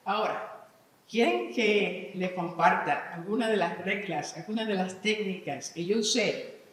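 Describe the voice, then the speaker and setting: In a large conference hall, a woman gives a live talk on English vocabulary, reading out word lists and asking the audience questions. Her medium-pitched voice is expressive and measured, captured from a distance in the echoing hall.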